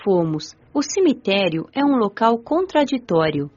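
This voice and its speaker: A woman playing a gentle, devout young spirit who recounts the afterlife in measured, reflective radio drama narration. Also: medium pitch, very animated, breathy edge, muffled recording. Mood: reflective, serene. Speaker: narrator and lead of an audio drama. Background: music.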